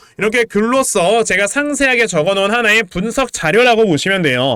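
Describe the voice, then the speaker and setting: Raising and projecting his voice, a man talks at a fairly quick pace with lively intonation and a bright, sharp tone at a high pitch. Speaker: stock market commentator. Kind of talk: stock analysis with sales pitch. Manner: fast.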